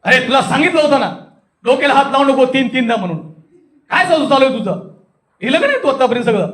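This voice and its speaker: A high-pitched, stern scolder with a short fuse, acted by a man. Questions come out as irritated jabs, and even praise sounds like a telling-off. It is a theatrical classroom demonstration of anger. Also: a little slow. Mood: angry, scolding. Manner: irritated, sharp rhetorical questions.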